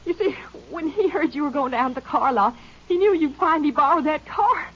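A woman's voice: high voice, expressive, a little fast, slight background noise. A scheming young girl. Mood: pleading. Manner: breathy, tearful pleading. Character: young woman, scheming girlfriend feigning fear. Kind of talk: 1950s radio drama acting. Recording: dull old radio broadcast.

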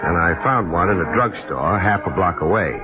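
A man's voice: low voice, normal speed, close to an everyday voice. An actor playing a laid-back, tough private detective in a 1950s radio drama, dry and wisecracking as he narrates and talks. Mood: wry narration. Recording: tinny old radio broadcast with music.

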